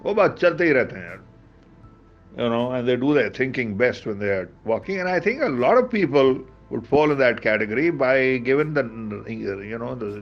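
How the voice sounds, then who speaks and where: A man with a South Asian accent reads a book aloud as a storyteller, theatrical in delivery, with conversational asides. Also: mid-range voice. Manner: theatrical, hesitant in asides, switches between English and Urdu. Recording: dull lo-fi audio with background music. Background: music.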